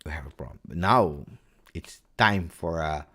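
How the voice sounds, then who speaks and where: A man with an Italian accent chatting on a live stream as an emotional football fan, theatrical, with repeated phrases and dramatic pauses. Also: extremely low pitch, a bit bright, a little hiss or hum. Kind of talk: casual live-stream chat.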